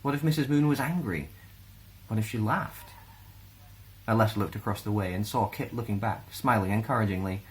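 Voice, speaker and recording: A man with a Scottish accent reading a children's fantasy story aloud in an expressive storytelling style. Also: lowish voice, a little fast, slight background noise, low-quality recording. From Glasgow, Scotland.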